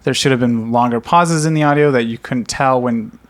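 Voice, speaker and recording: A man's voice: medium pitch, normal speed. A man co-hosting a podcast, chatting casually and taking listener questions. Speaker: podcast co-host and animated series creator.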